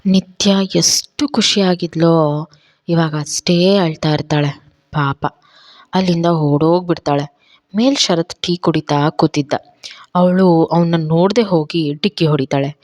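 Low-voiced woman narrating a story. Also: a little mellow, no echo, studio quality.

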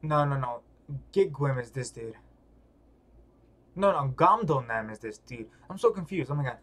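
A man's voice: medium pitch, animated, moderate pace, fairly bright tone. A man streaming a read-along, talking casually and slangily with muttered asides and reactions.

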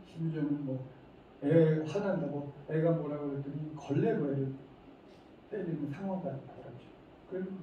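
Lively middle-aged man lecturing in echoey hall. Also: on the high side. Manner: animated, acts out scolding parents, leads group recitation. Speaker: lecturer at a parents' academy. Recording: echoey hall, distant mic, dull faint noise.

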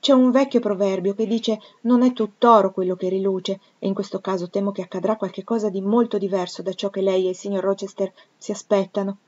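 A woman's voice: mid-range voice, flat delivery, a little mellow, muffled recording, lightly acted. Woman reading as a sceptical old housekeeper. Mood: earnest. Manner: measured, warning, earnest. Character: cautious elderly widowed housekeeper, sceptical.

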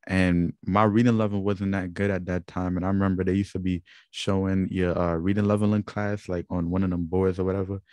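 Deep, flat-voiced Guyanese young man. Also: fairly quick, no echo. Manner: earnest, reflective, many fillers and restarts. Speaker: channel host. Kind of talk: personal testimony vlog.

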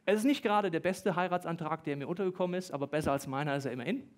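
Man, pastor, sermon, high voice, joking, quick bursts of speech. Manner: lively, joking, talks fast at times.

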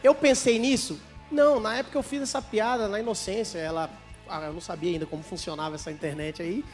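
Man, Brazilian, Espírito Santo accent, 30s, stand-up comedian, high voice, storytelling, plays out dialogues. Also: fast talker, soft background music. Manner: animated, acts out both sides of dialogues.

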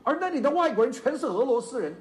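An older male lecturer with a Chaozhou-tinged Mandarin accent, voice sitting fairly high and swinging widely in pitch. He talks in an animated, digressive way, scattering fillers and side stories through the lecture. Faint room noise hums under him. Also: fast talker. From China. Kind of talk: university lecture.

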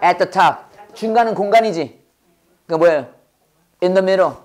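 Hoarse teacher drilling call-and-response. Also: mid-range voice, a little mellow. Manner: brisk, repeats prompts and has the class echo them. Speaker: English teacher.

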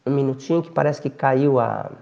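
A man giving a spiritist lecture, speaking slowly and reflectively, with frequent hesitant fillers between phrases. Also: mid-range voice, creaky, warm tone, lo-fi sound.

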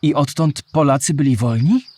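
Male actor as young boy, curious, wondering, lightly raised pitch, slightly rough tone, children's audio play. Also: normal speed, mellow, no echo, lightly acted. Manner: inquisitive, wondering. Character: curious young boy listening to history tales.

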